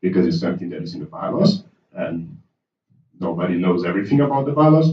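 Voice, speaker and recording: Somewhat breathy, a man at a medium pitch speaks fairly quickly, his pitch swinging very widely. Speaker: student association president chairing assembly. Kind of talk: procedural briefing at general assembly. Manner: fast.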